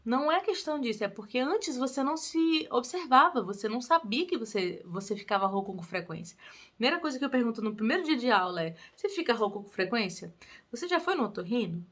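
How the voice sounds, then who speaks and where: A young adult woman who teaches singing offers casual advice to the camera in tutorial style. She sounds lively and encouraging, her pitch lifting quickly on emphasized words.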